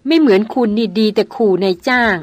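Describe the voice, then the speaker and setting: A woman's voice: a little high, a little fast, no echo, lightly acted. A woman voicing a proud, headstrong young noblewoman who speaks firmly and insistently in an audiobook. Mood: cool. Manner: firm, insistent.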